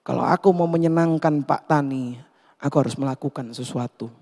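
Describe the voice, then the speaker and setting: A male pastor telling a story in a sermon, animated and acting out the characters. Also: on the high side, fairly quick, gravelly. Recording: long hall reverb.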